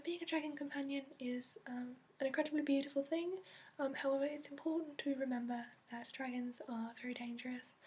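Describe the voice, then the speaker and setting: A woman playing a gentle instructor of dragon companions in a soft-spoken ASMR roleplay with a put-on accent, often near a whisper, explaining hesitantly with many ums. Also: sits high, close to an everyday voice. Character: gentle female instructor briefing new dragon companion recruit.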